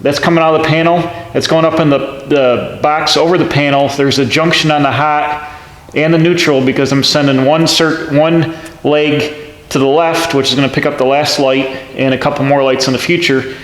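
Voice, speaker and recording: A man's voice: fairly high pitch, steady tone, moderate pace. A man hosting a do-it-yourself video, explaining his work step by step as he goes and thinking aloud with frequent restarts. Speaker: DIY channel host. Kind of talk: casual step-by-step explanation while working. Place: pole barn workshop. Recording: echoey, reverberant barn space.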